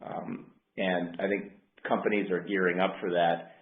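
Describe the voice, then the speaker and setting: Low-voiced exec guy on an earnings call, measured answers, muffled roomy conference line. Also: little pitch movement. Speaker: company executive.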